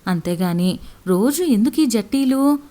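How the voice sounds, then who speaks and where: A stern village elder, blunt and rebuking, his mellow voice pushed up and sharp as he scolds in plain rustic talk, put on by a woman narrating a storybook tale. His pitch rises high whenever he presses a point. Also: expressive, unhurried. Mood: scolding.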